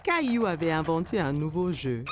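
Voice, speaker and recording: Lower-pitched, animated woman storyteller. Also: normal speed, background noise. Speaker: narrator. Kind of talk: scripted children's story narration.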